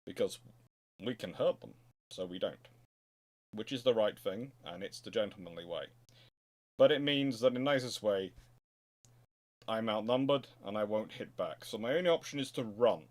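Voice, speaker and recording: Man, naval history host, chatty livestream answers, discursive, mid-pitched voice. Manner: rambling, discursive, restarts sentences. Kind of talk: informal livestream question-and-answer.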